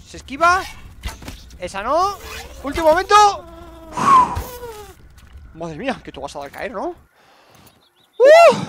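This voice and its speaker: A young man giving excitable let's-play commentary and talking to his viewers. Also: very high-pitched, a little hiss or hum. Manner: excitable, talks to viewers as "gente". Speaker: gaming streamer.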